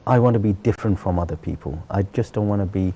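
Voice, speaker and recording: A man's voice: on the low side, fast talker, dark tone, breathy edge. A middle-aged man from Bangladesh telling his own story earnestly as an interview guest, with emphatic, repetitive phrasing. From Sylhet, Bangladesh. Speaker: interview guest, celebrity chef. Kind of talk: conversational personal storytelling in an interview.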